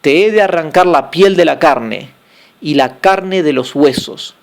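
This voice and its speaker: A man voicing a wealthy merchant master who scolds and curses his slave in anger, with slow, heavy stresses. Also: a little high, gravelly, background noise. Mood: furious.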